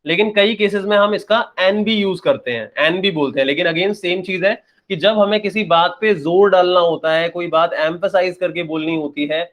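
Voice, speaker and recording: A man's voice: high-pitched, normal speed, few pauses, a bit bright. A young man teaching an English grammar lesson, repeating points and answering his own questions. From India. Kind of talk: classroom-style lesson, explaining and checking.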